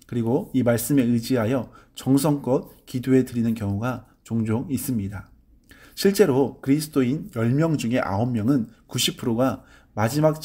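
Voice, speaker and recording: Korean pastor guy, husky voice, earnest slow preaching, lots of rhetorical questions. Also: mid-range voice, warm tone. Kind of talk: early-morning sermon.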